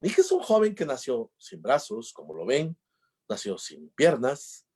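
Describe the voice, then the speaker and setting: Man, lecturer, husky voice, animated pitch, jokey anecdotes. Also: unhurried. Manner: jokey storyteller, acts out dialogues. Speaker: lecturer on emotional intelligence. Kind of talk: conference talk with anecdotes.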